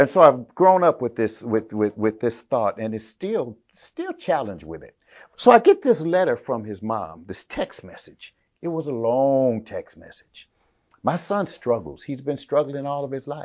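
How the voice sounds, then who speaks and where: Speaking at a moderate pace, a man with a fairly high pitch shows very wide pitch swings and big swings in loudness. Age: 60s. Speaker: guest preacher. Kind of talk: sermon. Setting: church.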